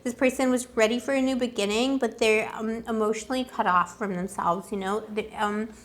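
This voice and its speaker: A woman, a tarot reader and channel host, chats casually through a love tarot reading in a voice that is a little high, fairly even and brisk. She is playful and rambling, using affectionate pet names. Her voice sounds slightly strained, as if she is losing it.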